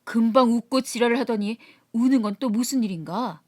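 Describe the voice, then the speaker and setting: A woman voicing a sober middle-aged male drinking friend who talks in a calm, mildly scolding way. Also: a little high, fairly quick, lightly acted. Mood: startled scolding.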